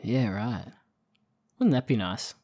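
A woman co-hosts a casual podcast. Her voice is strikingly low, and it moves around a lot in pitch as she chats. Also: animated, slow pace, mellow, husky. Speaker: podcast co-host. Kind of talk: casual chat.

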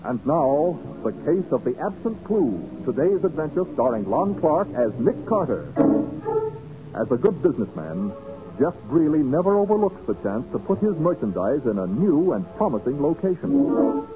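A man's voice: fairly high pitch, sing-song, moderate pace, over music. A man announcing and narrating an old radio crime show in a scripted, declamatory style. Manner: dramatic, declamatory. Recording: muffled 1940s radio recording.

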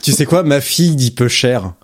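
A man in his thirties hosting an interview, teasing his guest in a relaxed, joking way. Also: medium pitch, normal speed, slightly rough. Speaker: podcast host, interviewer. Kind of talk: casual interview chat.

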